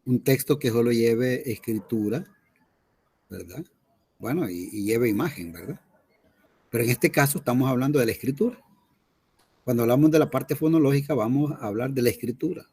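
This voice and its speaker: A man's voice: mid-range voice, moderate pace, pauses often, mellow, slightly rough. A man, a teacher lecturing his class in an online lesson, explaining patiently and often checking in with his students.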